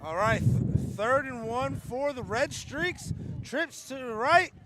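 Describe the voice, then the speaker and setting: A man calling a football game live from an outdoor stadium, joking with his partner and shouting on big plays. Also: very high voice, animated, takes it slowly, heavy background noise. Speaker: play-by-play announcer. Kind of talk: live high school football commentary. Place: outdoor stadium in wind and rain.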